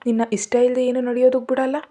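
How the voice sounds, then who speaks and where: A woman's voice: sits high, flat delivery, fast talker, mellow. A woman voicing a loving elderly grandmother who soothes and reassures, in an audio story. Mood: soothing.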